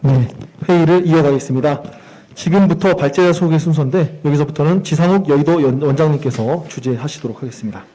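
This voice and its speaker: A man emceeing a seminar with a somewhat high yet mellow voice. He gives polite, clear instructions to the audience in a hall. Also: brisk. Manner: polite, directive. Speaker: master of ceremonies. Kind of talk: event announcing.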